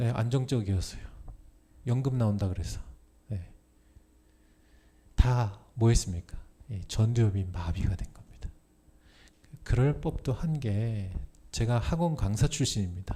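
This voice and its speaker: A soft-spoken man with a dark, mellow tone, somewhat breathy, at medium pitch with ordinary pitch variation, fairly slow pace and long, frequent pauses. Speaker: health lecturer. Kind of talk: lecture. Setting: church.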